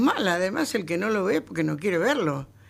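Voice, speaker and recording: A woman is speaking. Her voice has vocal fry. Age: 80s+. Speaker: human rights activist. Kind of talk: panel discussion.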